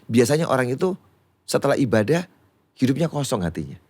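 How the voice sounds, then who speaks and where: A man, a pastor teaching in a lively conversational way who acts out quoted voices. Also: mid-range voice, a little fast. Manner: animated, acts out quoted voices, repeats words when excited. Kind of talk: conversational teaching on a church talk show.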